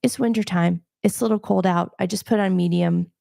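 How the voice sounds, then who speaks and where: A soft-spoken woman in her home studio, explaining her audio setup in a conversational, explanatory way. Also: on the low side, fairly even intonation, brisk, creaky. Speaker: audio gear reviewer. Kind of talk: livestream gear demo. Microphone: changing between studio mics.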